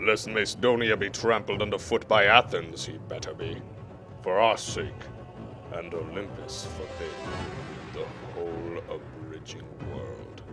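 With clear background noise behind it, the voice has a dramatic tone, a moderate pace and long, frequent pauses. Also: man, fairly low pitch for a man. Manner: blustering, dramatic.

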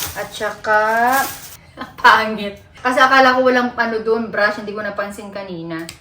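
Noticeable background noise and audible room echo surround a woman with a fairly high pitch who speaks at a moderate pace with ordinary pitch variation. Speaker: vlogger. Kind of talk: casual vlog narration.

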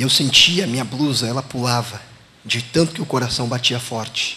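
Fairly even intonation and a fairly quick pace come through over light background noise. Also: man. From São Paulo, Brazil. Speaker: pastor. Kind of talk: sermon. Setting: church. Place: church. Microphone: handheld.

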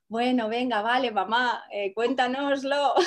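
A woman speaks at a fairly slow pace with a high pitch. The background is quiet. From Catalan Pyrenees, Spain. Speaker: children's author and psychologist. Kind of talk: interview. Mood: warm, smiling. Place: home room. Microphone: video call.

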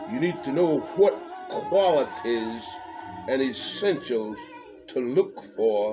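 Clear music plays in the background while the speech unfolds at a very slow pace. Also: man. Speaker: preacher. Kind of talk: sermon. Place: home room. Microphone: webcam.

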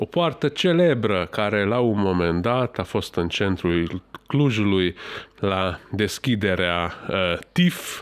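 Fairly low in pitch, a man talks at a very slow pace with lively intonation. His loudness stays very even. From Făgăraș area, Romania; Romania. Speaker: podcast host. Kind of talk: casual chat. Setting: old barn near Cluj. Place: studio. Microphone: studio mic.

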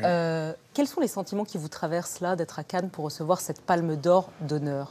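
At a moderate pace, a woman speaks in a fairly low, dark, mellow voice with ordinary pitch variation. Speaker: TV presenter. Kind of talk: TV interview questions.

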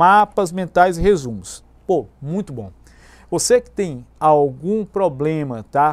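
This man's voice sits at a fairly high pitch. His pitch swings very widely. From Ceará interior, Brazil; Ceará, Brazil. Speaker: exam prep teacher. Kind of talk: live online class. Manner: animated. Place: studio. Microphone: lapel.

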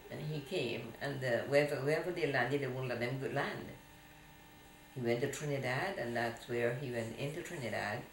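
In a room with audible echo and light background noise, a woman talks at a moderate pace in a very deep, low pitch with ordinary pitch variation. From Guyana. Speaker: grandmother telling family history. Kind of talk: interview answer. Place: home room. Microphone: camera far.

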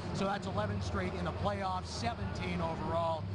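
Loud background noise runs through the clip. The sound itself is dry, with no echo. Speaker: sports broadcast analyst. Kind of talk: broadcast hosting and studio commentary. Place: stadium. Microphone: handheld.

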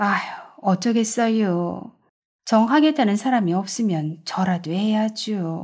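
Speech comes at a very slow pace. The voice is somewhat breathy. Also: woman, medium pitch for a woman, ordinary pitch variation. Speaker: audiobook narrator. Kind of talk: reading aloud.

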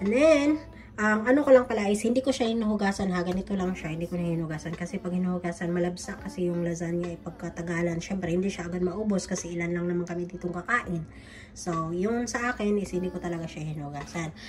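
Clear music plays behind a woman talking at a very fast pace. Her pitch is fairly low with ordinary variation. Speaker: home cook vlogger. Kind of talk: casual cooking tutorial. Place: kitchen. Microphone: phone near.

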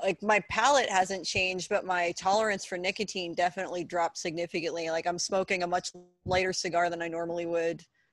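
In an American accent, a woman with a fairly low pitch and fairly even intonation speaks very fast with hardly any pauses, the sound dry with no echo against a quiet background. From US Midwest. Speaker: cigar enthusiast. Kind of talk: casual chat. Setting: video call. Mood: relaxed, chatty. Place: home room.

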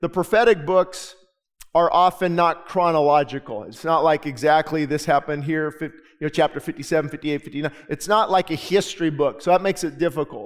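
With a quiet background, the man keeps a moderate pace and ordinary pitch variation. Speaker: pastor. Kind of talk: sermon. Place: church. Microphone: headset.

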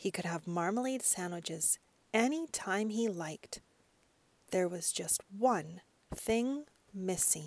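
A woman speaks slowly at a fairly low pitch, her intonation lively and her voice showing vocal fry.

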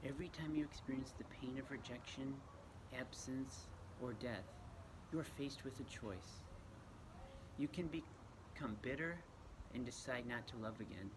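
A man speaks at a moderate pace with ordinary pitch variation. He takes long, frequent pauses over noticeable background noise. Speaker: reader of a spiritual text. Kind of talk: reading aloud from a devotional book. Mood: calm, reflective. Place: garden. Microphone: phone near.

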